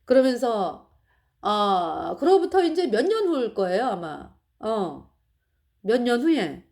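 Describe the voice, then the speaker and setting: A woman's voice: on the high side, big pitch swings, slow, creaky, darkish tone. A middle-aged woman telling a personal church testimony with emotion and laughter. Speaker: church member giving testimony.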